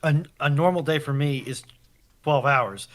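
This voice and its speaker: Bright, forceful male panelist. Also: a little high, normal speed. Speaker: livestream panelist. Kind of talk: casual panel chat.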